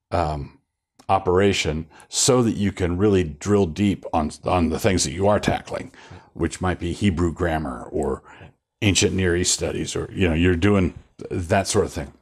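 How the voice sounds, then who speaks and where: An older man, a pastor, talking in a relaxed studio interview, wandering through his points with restarts and a wry chuckle, on a lapel mic. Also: sits low, unhurried, breathy edge. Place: studio set with bookshelves.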